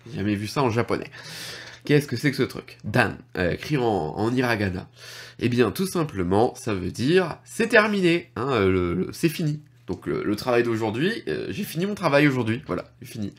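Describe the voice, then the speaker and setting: A man's voice: medium pitch, sing-song, moderate pace. Chatty French man explaining with asides. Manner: chatty, jokey, with many fillers and asides. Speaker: YouTube host teaching Japanese. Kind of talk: casual explanatory lesson.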